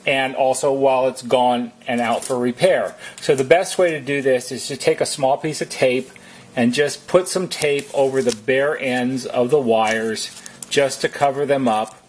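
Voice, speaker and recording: Male technician for how-to narration: unhurried, methodical, deliberate, with a somewhat husky voice. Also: mid-range voice. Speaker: repair technician giving instructions.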